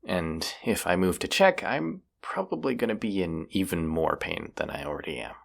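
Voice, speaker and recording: Young male vampire hunter, played by a male actor, audio roleplay: very low, gravelly voice, cocky and slangy, sarcastic with a self-mocking edge. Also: very animated, normal speed, heavily acted. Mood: wry, strained. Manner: teasing, sarcastic, casual slangy delivery.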